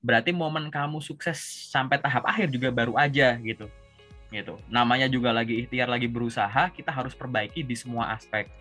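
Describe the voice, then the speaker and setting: Over soft background music, a young man from Java, Indonesia, coaches a job seeker by video call in a brisk, sharp, medium-pitched voice. He keeps things conversational, repeating the tag word "gitu" and asking questions to make sure the listener is following.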